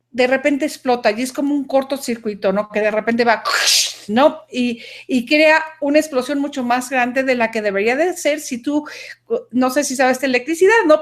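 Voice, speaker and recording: A woman giving an explanatory talk on a live video call. She explains through everyday analogies and keeps checking in with a questioning tag. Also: sits high.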